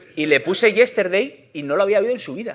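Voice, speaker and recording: A man's intonation is lively and his pace fairly quick, with noticeable background noise behind him. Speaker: journalist and poet. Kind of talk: book presentation talk. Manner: halting, many repetitions.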